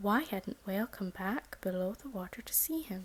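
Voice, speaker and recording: A soft-spoken, somewhat breathy woman with a gentle tone, medium pitch, lively intonation and a fairly slow pace. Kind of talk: read-aloud children's story. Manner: slow, gentle.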